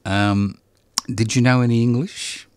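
A man's voice: mid-range voice, steady tone, unhurried, clean tone, no echo. A man whose first language was Sicilian, interviewing an older woman about her childhood with short, chatty questions and backchannels. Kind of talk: oral history interview.

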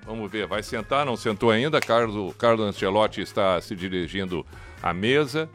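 A man with a Brazilian Portuguese accent hosting a live radio show, narrating an event as it happens in an excitable, urging way. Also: on the low side, normal speed, soft background music. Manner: excitable, urging, running play-by-play. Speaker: radio host. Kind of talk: live commentary chat.

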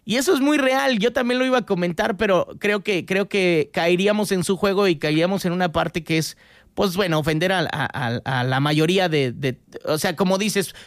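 A man's voice: high-pitched, no room sound, clean studio sound. A man with a Mexican accent hosting a call-in show, joking, laughing often and reading out listener messages. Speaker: radio show host. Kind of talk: casual call-in chat.

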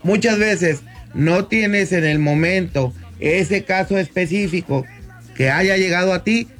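Brief: male lawyer, 50s, radio guest, measured explainer, slightly high voice, soft music bed underneath. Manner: measured, explanatory, often addresses the host by name. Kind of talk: radio talk segment. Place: radio studio booth.

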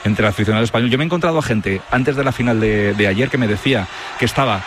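A man's voice: mid-range voice, slight background noise. A man giving football analysis on a radio show, laying out long arguments and restarting his phrases as he goes. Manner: rapid, restarts phrases, lays out arguments at length. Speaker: sports radio commentator.

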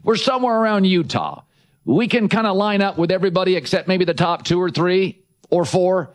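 A middle-aged man hosting a sports talk show, his voice sitting a little high for a man. He talks in brash, emphatic bursts of short punchy sentences. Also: animated, fairly quick. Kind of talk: opinionated sports radio talk.

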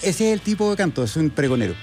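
A man's voice: on the high side, big pitch swings, quick pace, darkish tone, faint music behind. A Chilean man co-hosting a casual radio chat, reflective and hesitant, with many fillers. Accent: Chilean Spanish. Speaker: radio co-host.

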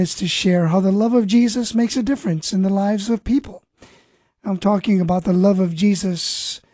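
A man hosting a Christian radio interview program, speaking in an earnest, measured way. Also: high-pitched, mellow, no room sound. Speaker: radio ministry host.

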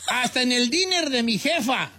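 A man's voice: extremely high pitch, expressive, normal speed, pushed and bright, heavily acted. A man voicing a folksy older Mexican host with a Mexican accent, joking and laughing as he reads listener comments on a comedy talk show. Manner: joking, laughs often, teasing.

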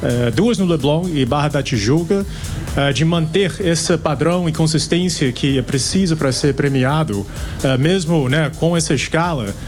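Man, American accent, somewhat high voice, hesitant with fillers and restarts, faint music behind. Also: normal speed. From United States. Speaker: chef, restaurant owner. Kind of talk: casual interview.

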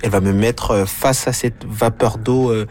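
A man on a radio show telling a home remedy story in an animated, playful way. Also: fairly low pitch, normal speed, a little hiss or hum. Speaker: radio co-host. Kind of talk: radio chat.

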